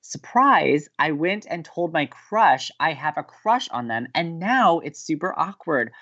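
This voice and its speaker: A young campus radio host in an audio drama, gleeful and romantic. His pitch swoops about as he teases and stresses words dramatically. The sound is slightly dull. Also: measured pace, exaggerated voice. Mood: animated. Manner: excitable, teasing, dramatic emphasis. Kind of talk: bantering audio drama dialogue.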